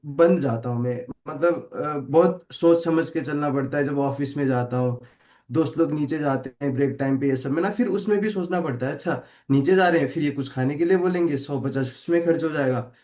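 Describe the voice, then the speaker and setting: Young man in his twenties, slightly high voice, halting participant sharing his story. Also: darkish tone. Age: 20s. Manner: hesitant, searching for words. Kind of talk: casual personal sharing.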